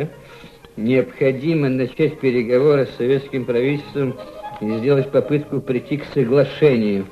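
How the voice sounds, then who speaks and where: An actor in a Russian radio drama playing an embittered, fervent White émigré conspirator, theatrical, insistent and persuasive. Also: male voice, mid-range voice, lightly acted. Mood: scornful, incredulous. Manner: theatrical, insistent, emphatic repetition. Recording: dull, lo-fi old radio play recording.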